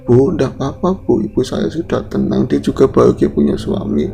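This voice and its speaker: A man's voice: medium pitch, normal speed, gravelly, over music. A man voicing a polite, composed young woman.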